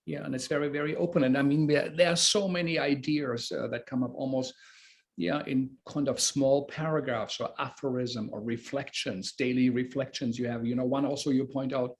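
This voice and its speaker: Halting man, creaky voice. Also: medium pitch, steady tone. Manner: halting, searching for words, repeating them. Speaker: host interviewing an author. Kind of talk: informal interview.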